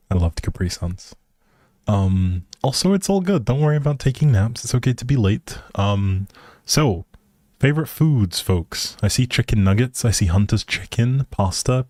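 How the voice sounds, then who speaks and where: A man's voice: fairly low pitch, darkish tone, dry recording, studio quality. A man casually chatting with viewers as he hosts a game stream, easygoing and rambling in a hesitant way. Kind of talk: casual chat with viewers while gaming.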